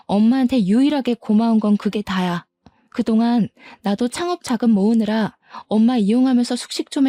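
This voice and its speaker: Woman narrator as sarcastic grown daughter, higher voice, dry close sound. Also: dark tone, dry recording, close to an everyday voice. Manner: sarcastic, cutting retorts. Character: defiant grown daughter, sharp-tongued doctor.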